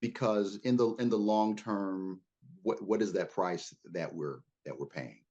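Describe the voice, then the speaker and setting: A man's voice: on the low side, measured pace, dark tone, highs cut off. A man speaking as a guest in a podcast interview, earnest and often repeating words as he builds a point. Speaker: guest, leadership consultant.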